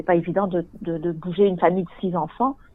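Pitch moves in an ordinary way. The speed is moderate. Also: woman. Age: 60s. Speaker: retiree and volunteer citizen mediator. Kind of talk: personal testimony.

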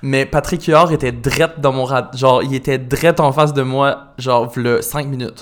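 A man with an ordinary speaking voice at medium pitch, fairly even intonation, a moderate pace and hardly any pauses. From Magdalen Islands, Quebec. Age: 20s. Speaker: musician. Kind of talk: casual chat.

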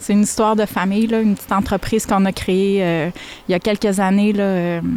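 A woman talks at a moderate pace and medium pitch, her intonation monotone and flat. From Alma, Lac-Saint-Jean, Quebec. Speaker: inn co-owner. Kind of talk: interview.

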